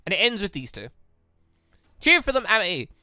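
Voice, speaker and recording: A man voicing a grandiose tournament announcer in a visual novel, booming and ceremonial. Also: huge pitch swings, brisk, bright, forceful tone, no room sound, studio quality, faint music behind, exaggerated voice. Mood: rousing. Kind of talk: visual novel read-aloud.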